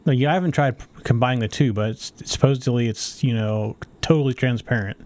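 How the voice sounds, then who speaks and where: A man's voice: mid-range voice, fast, a little mellow. A man co-hosting a casual tech chat, talking in a chatty way with rambling restarts. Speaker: co-host.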